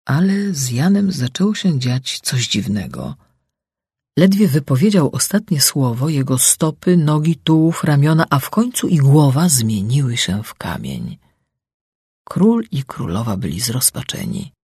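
Husky man telling a fairy tale. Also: medium pitch, very animated, moderate pace, a little mellow, no room sound, clean studio sound. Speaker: storyteller.

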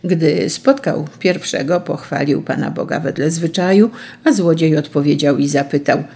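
A storyteller telling an old folk tale in a steady, measured way. The voice is gravelly, with a husky edge. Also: mid-range voice.

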